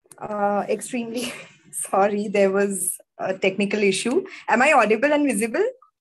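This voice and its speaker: A woman at a moderate pace with ordinary pitch variation, light background noise behind her. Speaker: webinar moderator. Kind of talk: formal introduction. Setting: video call. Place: office. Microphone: video call.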